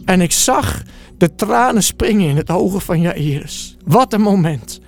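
A man's voice: high voice, animated, measured pace, vocal fry, soft background music. A man telling a Bible story in the first person as an eyewitness, in a vivid and earnest way.

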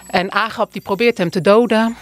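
A woman retelling and reading a Bible story in a plain, unhurried way, with small hesitations. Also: mid-range voice, fairly even intonation.

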